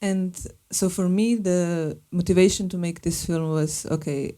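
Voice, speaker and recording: A woman's voice: fairly low pitch, fairly even intonation, measured pace, mellow. A woman from Slovenia, a filmmaker speaking thoughtfully in a live panel conversation and searching for her words. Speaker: filmmaker and artist guest.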